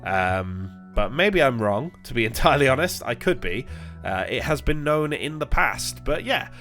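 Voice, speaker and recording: Hosting his gaming channel, a man still congested from a recent illness rambles through casual gameplay commentary full of fillers and restarts. His medium-pitched voice is sing-song and fairly bright at a normal speed, with soft music in the background.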